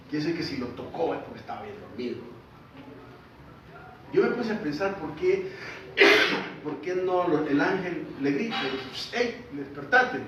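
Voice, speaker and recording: A man's voice: fairly high pitch, noisy background. A man, preaching a sermon as pastor in a conversational style and putting questions to the congregation. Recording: distant echoey hall, dull sound.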